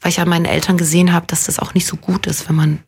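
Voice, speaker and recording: A Munich actress in her forties chats as a radio guest in a casual interview, reflective and self-deprecating, wandering through her thoughts with plenty of fillers. She talks rapid-fire in a fairly low, gravelly, slightly mellow voice with little pitch movement. Slight background noise is present.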